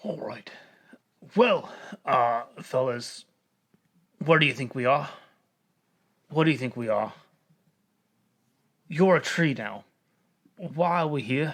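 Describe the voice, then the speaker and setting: Putting on a character voice, a man speaks in a raspy, fairly high pitch at a fairly slow pace, with long, frequent pauses. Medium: actual play. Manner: casual, blunt, folksy.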